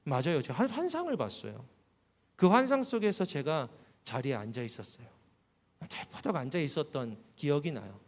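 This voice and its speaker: A man preaching a sermon, a pastor telling a personal story. His voice sits a little high, and he drops it low and soft when he quotes words. The sound carries a long reverb from a church hall. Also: sing-song, normal speed.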